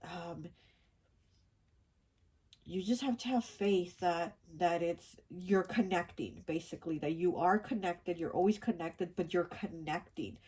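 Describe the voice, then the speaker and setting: Husky, low-voiced woman reading tarot. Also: a little slow, a little mellow. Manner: rambling, many fillers and restarts. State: stuffy and nasal from allergies. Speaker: tarot reader. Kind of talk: casual pick-a-card tarot reading.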